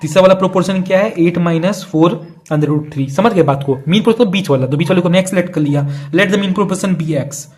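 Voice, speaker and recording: With a high-pitched, slightly mellow voice, this young man talks a little fast and rarely pauses. He's a math tutor teaching casually online, chatty, repeating each key step, and calling students "yaar" and "bhai."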